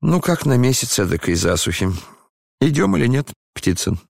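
A man's voice: mid-range voice, very animated, normal speed, gravelly, dry recording, clean studio sound, pitched above the performer's own voice, full character voice. Man doing a bored, sneering young man. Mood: irritated. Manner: careless, irritated muttering.

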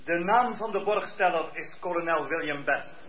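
An actor playing a firm, impartial presiding judge in a radio drama, speaking in formal, measured official phrases. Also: male voice, a little high, a bit bright, close to an everyday voice. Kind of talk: Dutch radio play acting. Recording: roomy, dull radio play recording.

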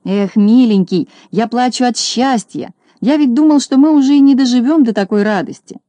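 A woman's voice: fairly high pitch, moderate pace, warm tone, dry recording, voice pushed up, natural voice. A woman voicing an elderly male shorty, tearful and tender, in a storybook.

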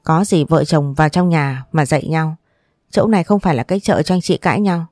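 Reader voicing a stern lecturing mother-in-law, mellow voice, dry sound. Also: medium pitch, a little fast, no room sound, natural voice. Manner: firm and lecturing. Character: strict, commanding mother-in-law of the household.

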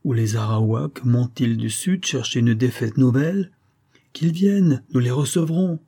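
Man voicing a defiant tribal chief, husky, mellow, proud. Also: medium pitch, animated, moderate pace. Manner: defiant, challenging.

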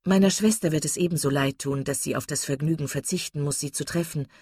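A woman's voice: sits low, fast, dark tone, slightly rough, no room sound, studio quality. A woman reading a composed, polite young lady. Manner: polite, restrained.

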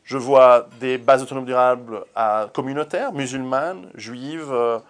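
A man's voice: medium pitch, measured pace. Hesitant man giving an interview. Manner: hesitant, many fillers and repeated words; earnest, forthright. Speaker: interviewed author. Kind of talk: interview answers.

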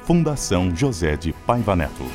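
A man's voice: low-pitched, sing-song, normal speed. A man announcing scripted radio drama credits in a formal, declamatory manner. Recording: music bed behind announcement.

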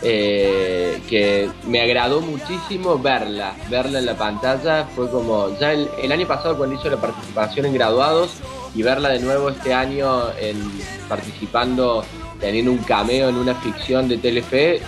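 A man's voice: mid-range voice, normal speed. Chatty Argentine man over music. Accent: Rioplatense Spanish. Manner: enthusiastic, repeats words while thinking. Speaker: co-host. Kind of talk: casual TV commentary chat.

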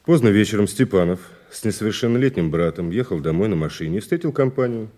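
A man's voice: lowish voice, expressive, fast, warm tone. A man playing an urbane, playful new prosecutor in an audio drama, speaking in an ironic, conversational way. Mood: matter-of-fact. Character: urbane, playful male investigator, newly promoted to prosecutor. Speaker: actor in an audio play. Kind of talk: naturalistic audio drama dialogue.

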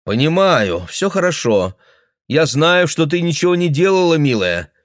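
Male narrator puts on a tender middle-aged daughter, soft and calming. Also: medium pitch, unhurried, dry recording, clean studio sound, voice pushed up. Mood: reassuring. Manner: soothing, gentle.

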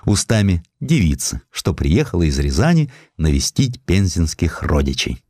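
Low-voiced, animated male storyteller, dry sound. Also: slightly rough, no room sound. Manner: theatrical, storytelling with deliberate pauses. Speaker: audiobook narrator. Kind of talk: dramatic scripted narration of historical stories.

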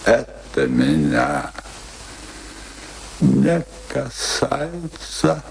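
An actor playing a pompous, sentimental middle-aged island commandant in a radio play, with a theatrical, self-important manner. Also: male voice, mid-range voice, wildly swooping pitch, extremely slow, vocal fry, a little hiss or hum, exaggerated voice. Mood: sullen. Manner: theatrical, self-important, swinging between gushing and bitter.

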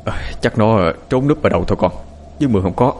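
A man voicing a concerned middle-aged village man who speaks gently to a child. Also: fairly low pitch, expressive, quick pace, a little hiss or hum, close to an everyday voice.

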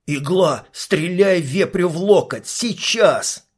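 A man's voice: sits high, unhurried, pitched above the performer's own voice. A man reading a pleading young scout. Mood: urgent. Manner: terse, pleading. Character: young male scout with foresight, strained and urgent.

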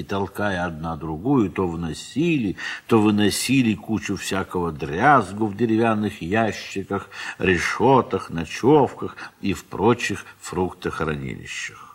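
A man narrating a literary audio play in a measured storytelling manner. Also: low voice, breathy edge.

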